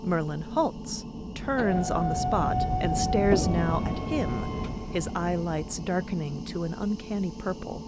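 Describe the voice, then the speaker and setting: A woman's voice: fairly low pitch, measured pace, loud music behind the voice. A woman giving dramatic scripted narration for an audio drama. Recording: loud ambient sound bed behind voice.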